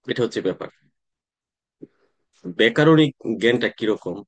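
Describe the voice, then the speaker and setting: A man, teaching an online class in a relaxed, conversational way, often pausing to check that students follow. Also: medium pitch. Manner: conversational teaching with frequent "তাই না?" check-ins and hesitations. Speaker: tax exam coaching instructor.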